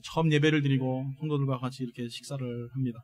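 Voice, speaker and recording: A man pastor preaching a sermon, emphatic, calling on the congregation to respond and moving between soft words and loud proclamations. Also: mid-range voice, steady tone, fast.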